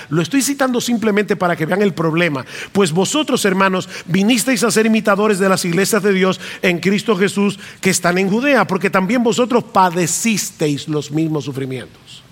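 An Argentine man preaching a sermon, his voice pitched high and pushing upward on the lines he stresses. He speaks with an earnest pastor's conviction. The sound carries a long reverb, as in a large church hall. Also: expressive, a little fast, hardly any pauses. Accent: Argentine Spanish. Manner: earnest preaching, rising emphasis on key phrases.

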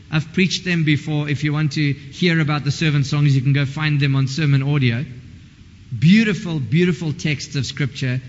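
A man preaching a sermon in a conversational, informal way, often breaking off and restarting his sentences. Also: fairly high pitch. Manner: conversational, self-interrupting and informal. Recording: dull lo-fi sound with long hall reverb.

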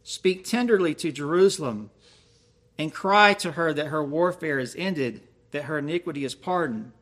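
A man's voice: fairly high pitch, normal speed, a bit bright. A man preaching a sermon, reading scripture aloud and explaining it with questions to his listeners. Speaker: pastor.

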